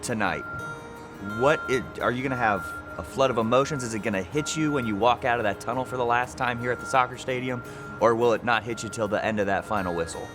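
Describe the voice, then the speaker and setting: A young man working as a sportscaster, speaking in a clear broadcast style. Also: medium pitch, fast, music in the background. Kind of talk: interview questions and radio basketball play-by-play.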